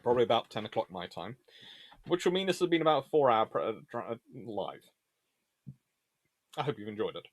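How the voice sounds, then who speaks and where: A man hosting a casual live question-and-answer stream on naval history, chatty and animated, talking in a stop-start way with trailing asides. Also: medium pitch, fairly quick, long pauses, no echo. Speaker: livestream host answering viewer questions.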